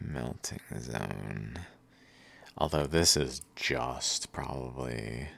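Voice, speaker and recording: In a dry sound with no echo, a man with a very deep, low pitch and vocal fry talks at a very slow pace with long, frequent pauses. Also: ordinary pitch variation. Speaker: video commentator. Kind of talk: casual commentary. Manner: rambling, profane. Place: home room.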